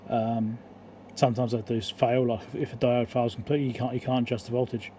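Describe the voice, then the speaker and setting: A man's voice: medium pitch, flat delivery, brisk, dark tone, a little hiss or hum. A man giving a casual technical explanation as a repair video host, rambling and matter-of-fact as he thinks aloud.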